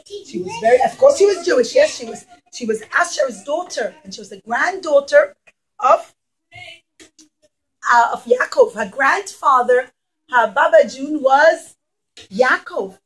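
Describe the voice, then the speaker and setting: High-pitched woman telling children a story. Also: lively intonation, unhurried, pauses often, a bit bright, poor audio. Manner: simple repetitive phrasing, asks listeners questions. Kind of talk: animated storytelling for young children. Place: small classroom, indoors. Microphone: camera a short distance away.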